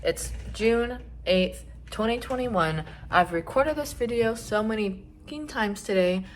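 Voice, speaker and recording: A young trans man chatting casually in a vlog, rambling with lots of fillers and some swearing, his voice rising when he gets excited. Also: unhurried, background noise. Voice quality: voice still fairly high, rising when excited. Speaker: vlogger.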